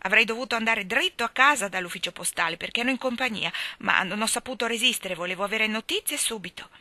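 A woman voicing an excited, chatty teenage girl who talks eagerly and breathlessly in a storybook. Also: on the high side, quick pace, no echo.

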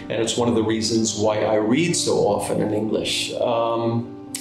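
An older man thinks out loud, relaxed and unhurried, with many pauses and fillers. His voice rings around a very echoey room. Guitar music plays clearly underneath. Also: lowish voice. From United States. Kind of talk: interview answer. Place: indoors, by a window.

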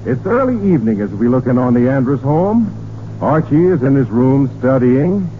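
A man's voice: medium pitch, big pitch swings, moderate pace, natural voice. A man playing a showy announcer, delivering scripted narration for a 1940s radio show. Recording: muffled, noisy 1940s radio recording.

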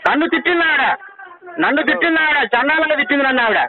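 Rapid, relentless man arguing over a phone line. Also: very high-pitched, over a noisy crowd. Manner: talks over the other side, repeats his points with rising insistence. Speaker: caller in a religious debate challenge. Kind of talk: heated phone argument.

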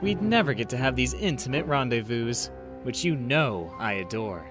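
A man acts out a suave raccoon master thief with a lively, swinging delivery. He is cocky, teasing and flirtatious, like a comic-book rogue, over music. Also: mid-range voice, normal speed, close to an everyday voice. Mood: flirty teasing. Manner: smooth, teasing, self-assured. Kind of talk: fan-dub comic narration and dialogue.

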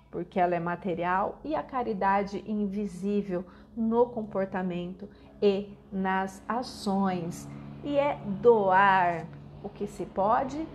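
A woman giving a devotional spiritist lecture in a measured, reflective way, often ending phrases with a questioning "né?". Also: medium pitch, slight background noise.

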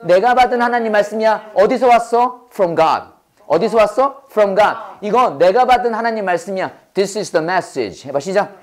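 A hoarse English teacher who runs a brisk call-and-response drill, repeating each prompt and having the class echo it back. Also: medium pitch, expressive.

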